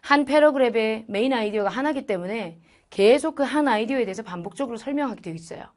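Chatty woman English teacher, higher voice. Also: lively intonation, fast, darkish tone. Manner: chatty, asks and answers her own questions. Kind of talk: lively lecture to students.

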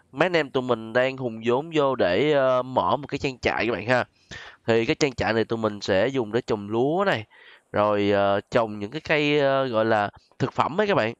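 A man with a Southern Vietnamese accent hosts a gaming video in a casual, conversational way. His medium-pitched voice talks straight to the viewers. The sound is dry and slightly dull, like a lo-fi voice-over. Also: smooth, dry recording. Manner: conversational, addresses viewers directly with frequent tag particles. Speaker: gaming channel host. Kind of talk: casual game role-play commentary.

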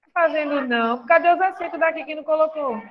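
Brazilian lady teacher, high voice, slow and patient, kinda muffled audio. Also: slight background noise. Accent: Brazilian Portuguese. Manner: patient, questioning, slow and explaining. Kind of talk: classroom lesson.

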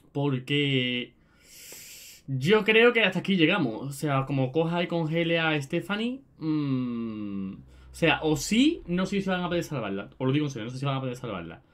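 A young woman with a Spain Spanish accent giving excitable let's-play commentary, shrieking and rattling off repeated words. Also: low voice. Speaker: gaming video creator.

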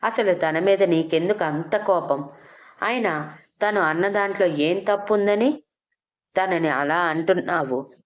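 A woman voicing a stern mother who scolds her daughter with sharp questions. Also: lowish voice, a little slow, lightly acted. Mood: angry. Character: stern middle-aged mother, angry and scolding.

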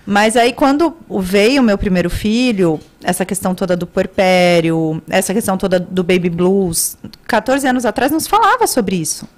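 Brazilian woman, middle-aged, speech therapist guest, calm measured talk, mid pitch, studio mic. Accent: Brazilian Portuguese. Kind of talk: interview conversation. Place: small podcast studio indoors. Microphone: studio boom mic with headphones.

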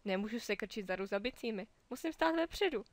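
A woman's voice: fairly high pitch, lively intonation, no room sound, lightly acted. A woman voicing a fussy, self-important male crab who composes for a royal court, speaking in anxious exclamations. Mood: fretful, proud.

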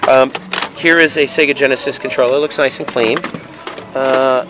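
At an outdoor flea market, a video game reseller casually narrates a handheld vlog as he looks through a box of used video games, thinking aloud with lots of fillers. His mid-range voice has fairly even intonation at normal speed. The camera audio is noisy and outdoor.

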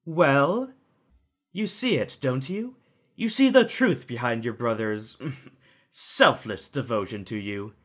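A man playing a calculating, smugly theatrical kidnapper in an audio drama, mocking with drawn-out, deliberate phrasing. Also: medium pitch. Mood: sly goading.

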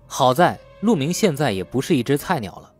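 A man's voice: medium pitch, big pitch swings, fairly quick, slightly rough. A man narrating a crime novel as a scripted audiobook, in a storyteller's delivery. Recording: faint music bed under the voice. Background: faint background music.

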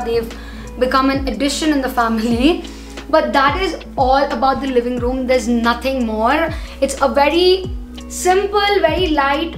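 A young woman talks brightly to camera, animated and gesturing as she walks around her home. Her voice sits high, and the room rings with echo from bare walls. A little music plays faintly underneath. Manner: enthusiastic, gesturing widely while walking around. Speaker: vlogger giving a home tour. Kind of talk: casual chat to camera. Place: echoey indoor living room. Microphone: camera-mounted shotgun mic.

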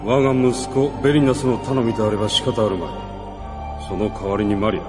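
A man's voice: fairly low pitch, fairly even intonation, a little fast, lightly acted. An actor playing a stern, commanding noble father in a radio drama, imperious and grudging. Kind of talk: Japanese radio drama acting. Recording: long reverb, music behind.

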